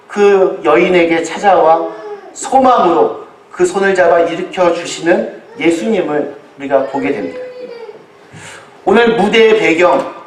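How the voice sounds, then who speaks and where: A man delivers a sermon as a pastor, in a fairly high voice. He phrases things deliberately, like a storyteller pausing between thoughts. The sound is roomy and echoing, picked up at some distance from the microphone. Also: a little hiss or hum. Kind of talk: sermon to a congregation. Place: large echoey room, church service. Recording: echoey hall, distant microphone.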